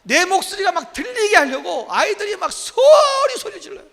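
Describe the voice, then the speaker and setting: A man's voice: very high-pitched, sing-song, moderate pace, gravelly, a bit bright, big-room sound. A man in his fifties, a pastor preaching a sermon in a church, emphatic and full of questions to the congregation. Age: 50s. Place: church sanctuary.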